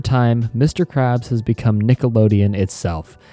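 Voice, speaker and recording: Music plays in the background while a man speaks at a medium pitch and a moderate pace. The sound is dry and close, with no echo. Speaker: video essayist. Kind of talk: video essay narration. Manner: chill, relaxed pace.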